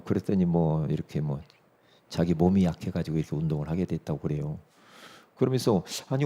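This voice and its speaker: A middle-aged man preaching a sermon, swinging from loud emphatic peaks to hushed asides and acting out dialogue in his stories. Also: lowish voice. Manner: acts out quoted dialogue in his story. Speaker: pastor. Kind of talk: sermon with storytelling.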